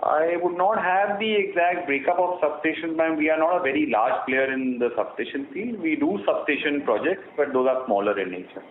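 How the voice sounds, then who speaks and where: A man with an Indian accent answering as a company executive on an earnings call, formal and measured, with hesitant phrasing. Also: a little high, animated. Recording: roomy, band-limited phone line with noise.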